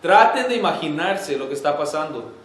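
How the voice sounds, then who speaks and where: A man preaching a sermon as pastor, earnest and emotional, building to forceful emphasis. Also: fairly high pitch, expressive, normal speed, echoey room. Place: church sanctuary.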